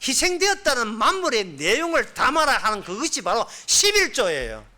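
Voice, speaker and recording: Male pastor, gyeongsang accent, sermon, colloquial, rhetorical questions, high voice, very lively pitch. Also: normal speed. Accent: Gyeongsang Korean.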